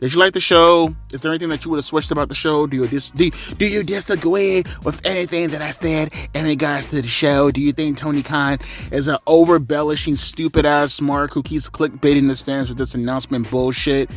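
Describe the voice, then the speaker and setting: With music in the background, a man with a fairly high pitch talks at a fairly quick pace with fairly even intonation. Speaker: wrestling commentator. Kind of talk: casual show review.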